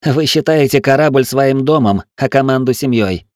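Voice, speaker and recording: A man's voice: medium pitch, moderate pace, darkish tone, no echo, clean studio sound, voice pushed up, natural voice. A man voicing a cold, scornful male ship officer who speaks with contempt and command. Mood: contemptuous.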